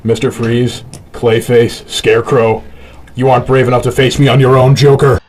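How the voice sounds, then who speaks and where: A man's voice: medium pitch, flat delivery, moderate pace, background noise, close to an everyday voice. A man playing a grim, defiant vigilante superhero in a radio drama, stern and threatening. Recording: loud music behind.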